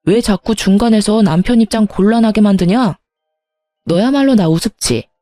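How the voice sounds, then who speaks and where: A woman's voice: medium pitch, moderate pace, dark tone, dry recording, close to an everyday voice. A woman voicing an irritated husband who argues defensively and accuses his wife in a spoken story. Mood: accusing. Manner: accusing, huffy.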